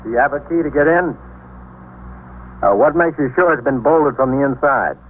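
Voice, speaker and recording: An actor playing a brisk police desk sergeant taking phone calls in a 1950s radio drama. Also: male voice, mid-range voice, slight background noise, lightly acted. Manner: brisk, businesslike. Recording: tinny old radio recording.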